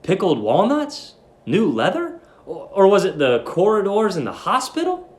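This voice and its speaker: A man's voice: sits high, wildly swooping pitch, moderate pace. A man narrating in a dramatic storybook reading style. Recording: roomy echo.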